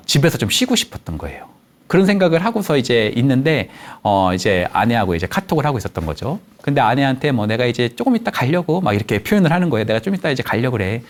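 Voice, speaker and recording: A man who counsels people from children to the elderly, giving a lecture and telling anecdotes that he acts out in the voices of the people he quotes. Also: mid-range voice. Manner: animated storytelling, acting out quoted voices. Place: lecture studio.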